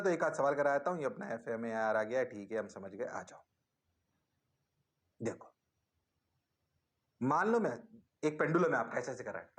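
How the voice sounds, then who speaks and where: A man teaching physics in an online class, energetic and coaxing, repeating prompts to his students. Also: medium pitch, reverberant.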